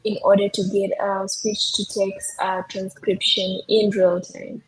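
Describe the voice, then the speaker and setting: A young woman from Kenya, a software developer, explaining her team's project in an earnest way with many fillers. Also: medium pitch, level tone, measured pace. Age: young adult. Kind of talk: technical project demo. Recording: echoey room with faint background noise.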